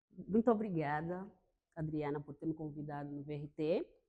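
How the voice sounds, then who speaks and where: A woman with a very deep, low voice, a dark, mellow tone and an Angolan accent, at a moderate pace. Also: big swings in loudness. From Angola, Luanda. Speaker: entrepreneur and mentor. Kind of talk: interview.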